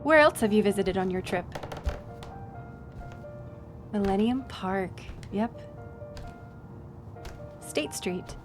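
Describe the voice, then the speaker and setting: A friendly young woman acting as a female museum docent speaks in a chatty, upbeat way, at a middle pitch. She talks casually and directly to the listener, as in an audio roleplay, over music. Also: lively intonation, takes it slowly, long pauses. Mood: curious, enthused. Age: young adult. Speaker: museum tour guide. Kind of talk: audio roleplay, one-sided conversation with listener.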